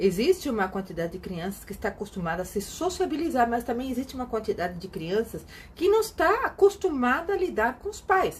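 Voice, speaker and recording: A woman with a Spanish accent, high pitch and very wide pitch swings, fairly quick pace with hardly any pauses, amid noticeable background noise. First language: Spanish (speaking Portuguese). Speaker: psychologist. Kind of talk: casual video talk, opinion.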